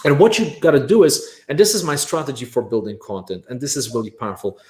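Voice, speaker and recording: A man from Poland, Polish his first language, giving an energetic online workshop on making courses, stressing points with "right?" and repeated "bam". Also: medium pitch, fast talker, reverberant.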